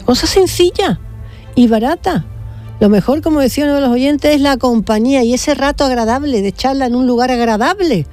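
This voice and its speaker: A woman's voice: high voice, brisk, a little mellow, soft background music. A woman hosting a live radio show, cheerful and teasing as she chats with listeners. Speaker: radio host.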